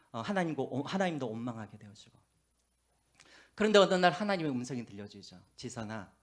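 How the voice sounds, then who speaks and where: A pastor preaching a sermon, telling stories with a lively voice and dropping to quiet asides, with a faint Jeolla accent. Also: male voice, mid-range voice. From Korea, Gwangju. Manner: animated storytelling, drops to hushed asides. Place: church.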